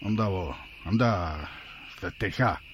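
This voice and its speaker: An actor playing a jealous, sarcastic husband in a radio drama, with an Argentine accent and a complaining manner. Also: male voice, deep voice, slow, dull audio, a little hiss or hum. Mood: sulky, subdued. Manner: sardonic, complaining. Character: jealous, sarcastic, aggrieved working-class husband. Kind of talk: Spanish-language radio drama acting.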